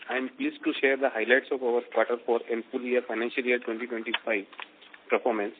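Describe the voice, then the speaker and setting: Man, Indian accent, finance executive, scripted results reading, mid pitch, narrow phone audio. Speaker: chief financial officer. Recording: tinny phone conference line.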